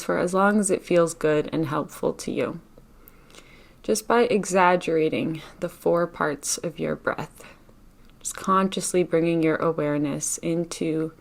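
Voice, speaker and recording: This meditation guide is a woman whose somewhat low voice has vocal fry. Gentle and unhurried, she breaks her directions into short phrases and lets generous pauses sit between them.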